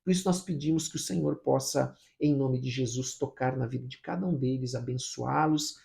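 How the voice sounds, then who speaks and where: A Brazilian pastor reading scripture and then leading a fervent morning prayer, full of repeated pleas. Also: male voice, mid-range voice, normal speed, gravelly, a little mellow. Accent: Brazilian Portuguese.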